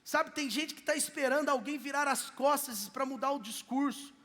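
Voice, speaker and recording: High-voiced Brazilian pastor in an echoing church. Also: male voice, moderate pace, a bit bright. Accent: Brazilian Portuguese. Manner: conversational storytelling preacher. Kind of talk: sermon. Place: church sanctuary. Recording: long reverb of a church hall.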